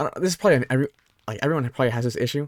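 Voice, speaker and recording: A man speaks quietly in an American accent. The recording is very clean and dry, with a silent background, a close sound and no echo. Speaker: streamer and vlogger; college student. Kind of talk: casual monologue vlog. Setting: home recording at night. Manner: monotone; quiet, low energy.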